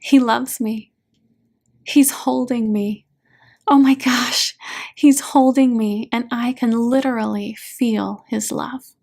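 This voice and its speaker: A woman's voice: a little high, steady tone, slow, creaky, a little mellow, full character voice. A woman voicing a hurting daughter in a therapy story, wounded and pleading with her father in an emotional way. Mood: tearful relief.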